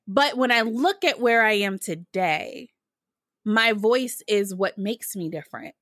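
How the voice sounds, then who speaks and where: A woman's voice: medium pitch, a bit bright, no echo, studio quality. An American woman from Michigan with a valley girl way of talking, hosting a podcast in a conversational style. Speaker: podcast host. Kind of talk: conversational interview talk.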